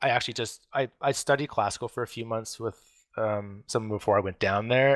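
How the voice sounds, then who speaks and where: Speaking at a very fast pace, a man with a fairly low pitch comes through in a very clean recording with a silent background. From Canada, Vancouver. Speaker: video game composer and sound designer. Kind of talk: interview.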